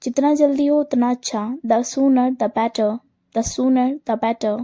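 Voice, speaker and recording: A woman teaching English phrases, saying each one quickly and then slowly repeating it twice. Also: on the high side, fairly even intonation, mellow. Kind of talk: slow phrase drill lesson.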